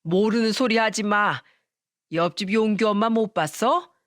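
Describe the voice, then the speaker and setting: A woman's voice: medium pitch, measured pace, no echo, lightly acted. Storybook mother-in-law, harsh and suspicious, scolding tone, dry close read; a woman voices her. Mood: accusing. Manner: scolding, accusing.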